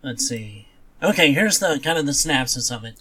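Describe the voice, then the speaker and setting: A man's voice: mid-range voice, expressive, fairly quick, bright, forceful tone, slightly rough. A man co-hosting a podcast in casual, blunt chat about comics, dismissive and given to offhand swearing. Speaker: podcast co-host.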